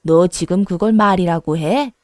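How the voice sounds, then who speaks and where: A woman's voice: on the low side, moderate pace, no echo, faint music behind, lightly acted. A woman playing a berating mother-in-law. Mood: angry. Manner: berating, insulting, shouting accusations. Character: harsh scolding mother-in-law, middle-aged woman. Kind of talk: Korean radio story reading.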